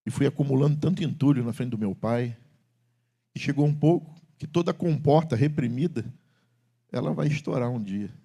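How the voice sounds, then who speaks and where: Speaking at a normal speed, this middle-aged man delivers a sermon as pastor in a church sanctuary, alternating between forceful, loud appeals and quiet, intimate words to the congregation.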